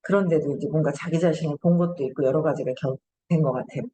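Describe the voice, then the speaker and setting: A woman's voice: low-pitched, fast, warm tone, reverberant. A middle-aged woman hosting a casual lecture, telling stories in a chatty way and laughing often. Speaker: host.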